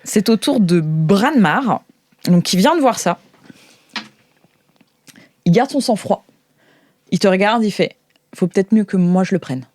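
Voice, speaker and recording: A woman with a French accent improvising narration as game master of a tabletop role-playing game, thinking aloud in halting phrases. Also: mid-range voice, lively intonation, a little mellow. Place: studio.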